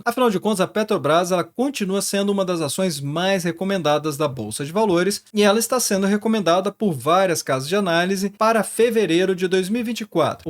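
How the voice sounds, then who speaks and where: A Brazilian man hosting a finance channel, explaining stock market analysis and walking the viewer through charts and figures. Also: high-pitched. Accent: Brazilian Portuguese.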